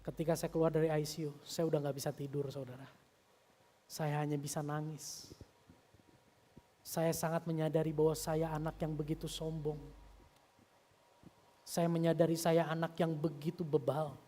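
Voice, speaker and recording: A man in his thirties, a youth pastor, giving an earnest sermon with a personal testimony, swinging between raised emphasis and hushed confession. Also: on the high side, flat delivery, normal speed, long pauses. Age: 30s.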